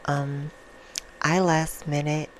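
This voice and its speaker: A soft-spoken woman chatting casually and affectionately to her viewers in an ASMR style, with an informal, self-deprecating manner. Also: low voice, little pitch movement, takes it slowly, a little hiss or hum. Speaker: ASMR video creator and host.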